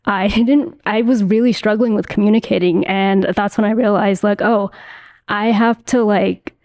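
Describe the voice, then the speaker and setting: A woman's voice: mid-range voice, steady tone, moderate pace, a little mellow, no echo. Reflective woman, close dry sound. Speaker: poet guest. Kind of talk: reflective casual conversation.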